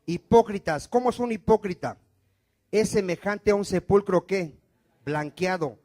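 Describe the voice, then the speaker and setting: A man with a high voice preaches a sermon in church, questioning his listeners and answering himself. His delivery swings between loud, emphatic lines and quiet, falling endings. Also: a little slow. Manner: call-and-response preaching, asks questions and answers them himself. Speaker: pastor.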